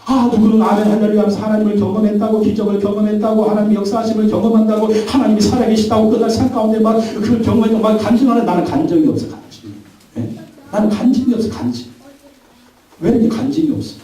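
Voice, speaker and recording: High-voiced Korean pastor preaching in echoey hall. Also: male voice, fairly even intonation, quick pace, mellow. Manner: emphatic preaching with call-and-response. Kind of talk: Sunday sermon. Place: large church sanctuary. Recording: very echoey church hall, mic at a distance.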